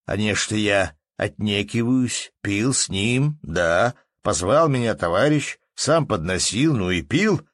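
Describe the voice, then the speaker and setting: Guy doing a chunky fired-up peasant, lowish, slow and firm. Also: lively intonation, a bit bright, no room sound, clean studio sound. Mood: heated. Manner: firm, rustic speech. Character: stout middle-aged peasant man, fiery.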